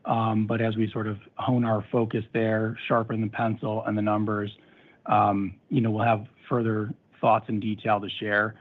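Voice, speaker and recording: A man answering as a company executive in measured, conversational business talk over a muffled phone line. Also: on the low side, monotone.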